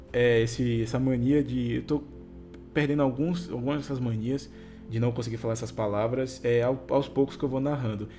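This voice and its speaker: A man's voice: medium pitch, dark tone. A Brazilian Portuguese-speaking man narrating for online viewers, with a tongue-tied impediment that makes some consonants like R, S, T and L hard to articulate. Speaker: YouTube video narrator. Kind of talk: scripted narration and casual sign-off to viewers. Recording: music behind the voice. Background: music.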